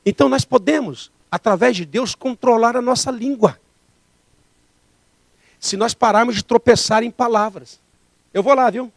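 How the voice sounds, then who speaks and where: Man, pastor, sermon, emphatic rhetorical questions, high voice, dry close sound. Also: moderate pace, creaky, long pauses, no room sound.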